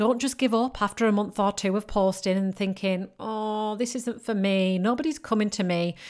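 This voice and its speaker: At a moderate pace, a woman speaks in a medium pitch with ordinary pitch variation, on a very clean recording with a silent background. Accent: northern English. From northern England. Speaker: business coach and podcast host. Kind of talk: solo podcast monologue.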